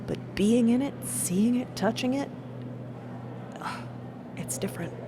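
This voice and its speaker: A woman's voice: on the high side, slow, noisy background, pitched above the performer's own voice. A woman playing an earnest, reflective male scientist in a heartfelt audio drama. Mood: moved, reflective. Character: earnest, wistful male scientist moved by exploration.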